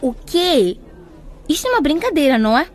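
A woman's voice: high-pitched, big pitch swings, brisk. A woman playing an earnest, studious teenage schoolgirl in a radio drama, conciliatory and slightly flustered.

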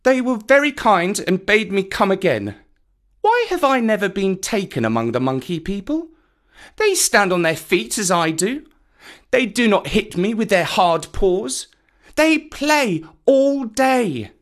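A man voicing a small, defiant, boastful jungle boy in a storybook, with an excitable childlike delivery. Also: a little slow. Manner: high, exclamatory, childlike delivery.

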